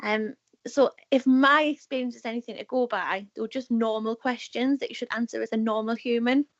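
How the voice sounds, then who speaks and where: Podcast guest: woman, wry and easygoing, fairly high voice, dull video-call sound. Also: fairly even intonation, brisk. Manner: wry, easygoing, laughs often. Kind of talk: casual interview chat over video call. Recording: muffled video-call audio.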